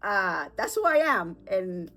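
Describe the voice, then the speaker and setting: A woman with a mid-range voice hosts her own podcast while sick, stuffed up and sore-throated, sounding very animated yet speaking slowly. She rambles candidly in casual solo talk, with plenty of fillers and nervous laughs.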